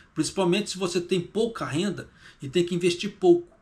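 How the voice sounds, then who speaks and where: This man has a high-pitched voice, speaking at a moderate pace with ordinary pitch variation. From Brazil. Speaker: YouTuber commenting on news; finance vlogger. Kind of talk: casual news commentary monologue; casual vlog commentary. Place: home room. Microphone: webcam.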